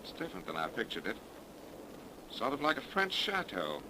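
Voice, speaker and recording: Brisk bossy skeptic in old 30s radio horror, pitch swings a lot, really noisy recording. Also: male voice, wildly swooping pitch. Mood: dismissive, calm. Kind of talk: 1930s radio horror drama acting.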